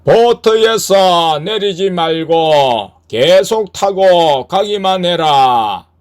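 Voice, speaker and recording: Brief: solemn male Jesus, stately and commanding, unhurried, read by a man in a church testimony. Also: high-pitched, animated, smooth, voice pushed up, full character voice. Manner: stately, measured.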